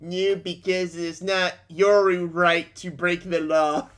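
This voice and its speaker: Comic reading: high-voiced, obtuse man acting as a whiny online arguer, stubborn and rigid in his opinions. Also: little pitch movement, slow, a bit bright. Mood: stubborn, self-righteous. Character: dim, stubborn male internet poster with rigid opinions. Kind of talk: comic dramatic reading of social media posts.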